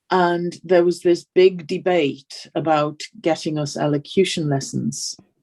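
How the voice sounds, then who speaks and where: With a slight northern English accent, a woman speaks in a dark, mellow tone at a fairly low pitch, using fairly even intonation and a fairly slow pace with hardly any pauses. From northern England. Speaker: interview guest. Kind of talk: personal conversation.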